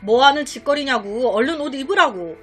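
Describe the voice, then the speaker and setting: A woman's voice: high-pitched, expressive, a little fast, slightly rough, faint music behind. A woman voicing a grandfather in his eighties, a kindly old man who turns stern and scolding.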